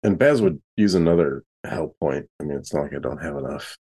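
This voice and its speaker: A man's voice: a bass voice, expressive, fairly quick, mellow, breathy edge. A man playing a tabletop game, asking questions and discussing moves in casual chat.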